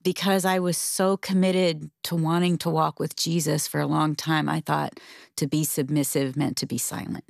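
A middle-aged woman talks candidly on a faith-based marriage show. Her voice sits low with a gravelly fry at the ends of phrases. She sounds heartfelt and open, recorded close and dry in a studio. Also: level tone, normal speed, no echo. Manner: heartfelt and candid, speaks openly about feelings. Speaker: co-host of a marriage radio show. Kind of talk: earnest faith-based conversation.

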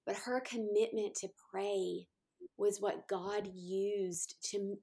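Woman host, mid-pitched, heartfelt encouraging talk, loose repetitive phrasing. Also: fairly even intonation, slow pace, dark tone. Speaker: podcast host.

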